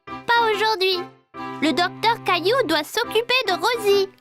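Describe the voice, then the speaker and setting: A woman's voice: very high-pitched, measured pace, music in the background. A woman voicing a sweet, eager, impatient little boy in a children's cartoon, with simple childlike phrasing. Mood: caring.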